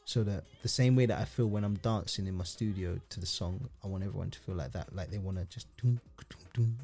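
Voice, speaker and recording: A man chatting as a podcast guest, joking and animated, swearing freely. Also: deep voice, brisk, faint music behind. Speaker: podcast guest, musician and sound engineer. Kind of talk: casual podcast conversation.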